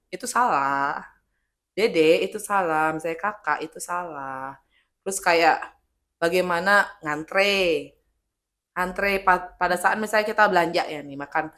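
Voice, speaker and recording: A middle-aged woman with a hoarse voice from illness, telling stories as a guest in a casual interview and acting out quotes. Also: fairly low pitch. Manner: lively, animated storytelling with acted quotes. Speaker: guest speaker, army officer's wife.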